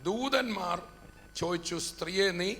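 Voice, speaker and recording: Fervent high-voiced preacher in a hall. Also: male voice, unhurried, pushed and bright. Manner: fervent, rising and dropping in volume. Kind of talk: sermon. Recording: hall reverb with faint background noise.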